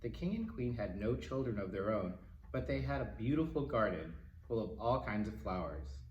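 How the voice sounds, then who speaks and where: A man reading a picture book aloud to young children in a gentle, simple manner, with little asides to them as a storytime reader. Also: lowish voice, expressive, normal speed, lo-fi sound. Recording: roomy, distant mic with faint noise.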